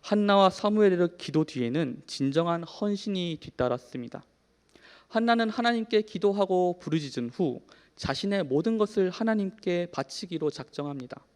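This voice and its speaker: A man in his thirties preaching a sermon in a church, telling a personal story in an earnest way, shifting from soft to emphatic. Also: high-pitched, animated, normal speed, clear, resonant tone. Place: church hall. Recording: long hall reverb.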